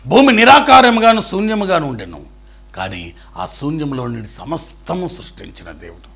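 A male pastor preaching a sermon, swinging between loud declarations and hushed pleading, and speaking straight to the listener as a dear friend. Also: fairly high pitch, animated, moderate pace, a crowd in the background.

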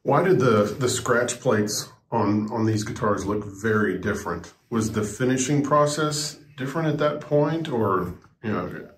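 A man's voice: mid-range voice, measured pace, few pauses. A male show host asking curious, rambling questions from behind the camera in a small backstage room. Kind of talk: interview questions. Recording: roomy room, faint noise.

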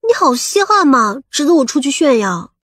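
A woman playing a sharp-tongued, coquettish lover in an audiobook, pouting and reproachful. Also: high voice, very animated, moderate pace, dry recording, clean studio sound. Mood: scolding.

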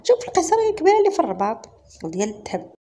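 Gossiping maids trade rumors in rapid Moroccan Arabic, conspiratorial and sly. A woman storyteller puts them on without much change to her voice. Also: fairly high pitch, big pitch swings, warm tone, a little hiss or hum, voice pushed up. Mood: gossipy. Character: gossiping female house maids.

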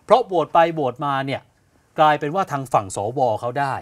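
Animated male news analyst, dry studio. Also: fairly high pitch, fairly quick, dry recording. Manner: animated, asks rhetorical questions, acts out quotes. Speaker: news show co-host explaining politics. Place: television studio.

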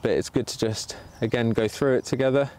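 A man's voice: mid-range voice, steady tone, a little fast, a little mellow, smooth. A man hosting a bushcraft livestream outdoors in the woods, chatting casually with viewers while he demonstrates. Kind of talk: casual live commentary while working. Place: sunny woodland outdoors. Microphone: camera pointing down at his hands.

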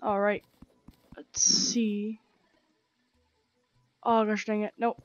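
A young woman with a croaky, sore throat, rambling casually as she plays and comments on a game, full of slang and fillers. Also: medium pitch, level tone, drawn-out words, lo-fi sound. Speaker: gaming channel host. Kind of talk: casual let's-play commentary. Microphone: gaming headset.

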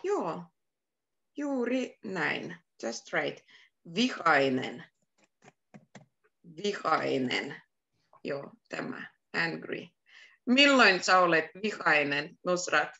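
A woman teaching a beginner online language class, speaking slowly, repeating words and adding English glosses. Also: lowish voice, big pitch swings, creaky, sharp tone, lo-fi sound. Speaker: Finnish teacher.

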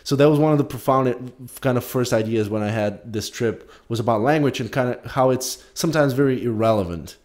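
A young man from Bulgaria whose first language is Polish, co-hosting a casual podcast and telling a story with lots of gestures, restarts and swearing, recorded on a boom mic in a small room at home. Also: a little fast, few pauses, a little mellow. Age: young adult. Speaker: podcast co-host. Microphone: studio mic on a boom, headphones.

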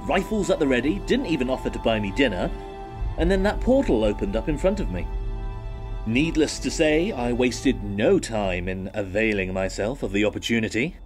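A man's voice: medium pitch, animated, moderate pace, close to an everyday voice. A man playing a flamboyant, sardonic time-travelling villain in an audio drama, mocking and theatrical. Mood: wry, theatrical. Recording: music behind.

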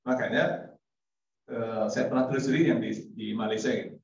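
A male preacher speaks to his congregation in a relaxed, chatty way. He laughs often and acts out conversations. The recording comes from far off in a heavily echoing hall and sounds dull. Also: mid-range voice, normal speed. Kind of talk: casual sermon to a congregation. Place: mosque hall.

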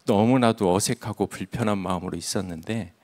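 A man's voice: lowish voice, fairly quick, a little mellow. A young adult man preaching at an early-morning church service, telling his story and dropping to a near-whisper for emphasis. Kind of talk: sermon. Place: church sanctuary.

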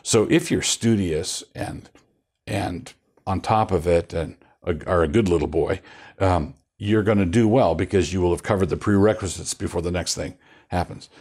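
An older man, a pastor, talking in a relaxed studio interview, wandering through his points with restarts and a wry chuckle, on a lapel mic. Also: sits low, moderate pace, breathy edge. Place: studio set with bookshelves.

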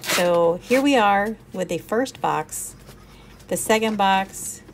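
A woman's voice: medium pitch, slow pace, noisy background. Chatty woman sorting a basement. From Alabama, USA. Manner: chatty, thinks aloud while sorting. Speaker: home vlogger. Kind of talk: casual decluttering vlog. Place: cluttered basement storage room. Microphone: handheld camera filming nearby.

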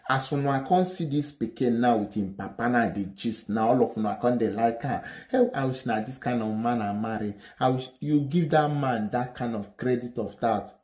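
A man's voice: medium pitch, moderate pace, few pauses, darkish tone. A man with a Nigerian accent giving opinionated commentary in a lecturing tone, slipping into Pidgin. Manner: lecturing, mixes Pidgin into English. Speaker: vlogger.

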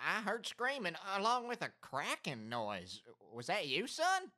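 A man's voice: high voice, huge pitch swings, measured pace, pushed and bright, heavily acted. A man playing a folksy, easily alarmed farmer father in an amateur audio drama. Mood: puzzled.

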